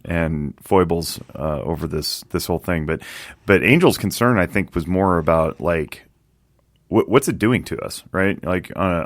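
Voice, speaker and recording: A man's voice: low-pitched, no room sound, clean studio sound. A man hosting a podcast interview, chatty and rambling, laughing easily as he talks. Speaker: podcast host. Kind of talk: casual interview chat.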